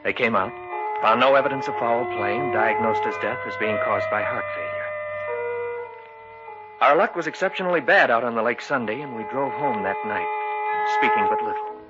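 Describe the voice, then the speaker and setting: A man's voice: mid-range voice, moderate pace, close to an everyday voice. An actor playing a young man who narrates his own eerie tale, speaking earnestly in 1940s radio style. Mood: brooding. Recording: dull old radio broadcast with music.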